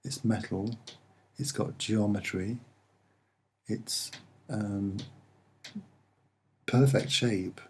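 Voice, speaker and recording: Soft-spoken, slow man with a low voice. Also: slight background noise. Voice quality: soft-spoken, slightly husky. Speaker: online video presenter. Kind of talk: soft-spoken explanatory commentary on images.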